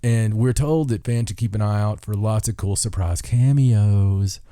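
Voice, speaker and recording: A man's voice: fairly low pitch, normal speed, dark tone, dry recording, clean studio sound. A man hosting a podcast in casual, rambling, jokey chat, full of enthusiasm. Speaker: podcast host.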